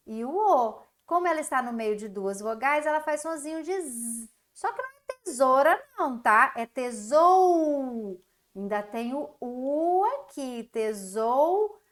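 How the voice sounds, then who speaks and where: High, slow-spoken Brazilian teacher woman. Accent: Brazilian Portuguese. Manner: slow, sing-song teaching voice with drawn-out syllables and praise. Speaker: primary school teacher. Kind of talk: recorded remote class for young children.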